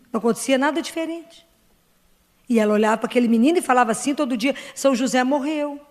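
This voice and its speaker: A woman's voice: high-pitched, big-room sound. A woman from Brazil, leading a prayer group in an earnest devotional talk, speaking directly to her listeners.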